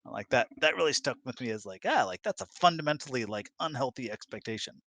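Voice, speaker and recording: A man talking casually in a question-and-answer chat, explaining things in a thoughtful, halting, emphatic way. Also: mid-range voice, expressive, pushed and bright, a little hiss or hum. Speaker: husband co-hosting a live Q&A. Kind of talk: casual conversational advice chat. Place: close-miked online voice chat, dry.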